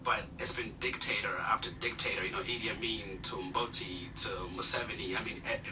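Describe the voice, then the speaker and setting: A man's voice: fairly low pitch, steady tone, a little fast, music in the background. A man from Uganda, a guest telling his life story in an earnest, humble way with many fillers. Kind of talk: personal storytelling interview. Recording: distant mic with noticeable noise.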